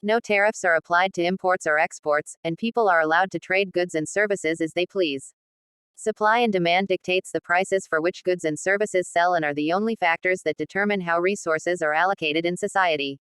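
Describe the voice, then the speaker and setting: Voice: medium pitch, moderate pace, fairly bright tone, clear, resonant tone, dry recording. A speaker reading a scripted passage aloud as a model for exam practice.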